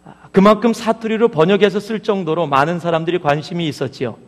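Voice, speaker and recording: A man from Chungcheong Province preaches in a conversational way, turning to the congregation with questions. His voice sits fairly high for a man. The sound carries a long reverb from a large church hall. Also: steady tone, fast. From Chungcheong Province, Korea. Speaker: pastor. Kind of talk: sermon. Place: church sanctuary.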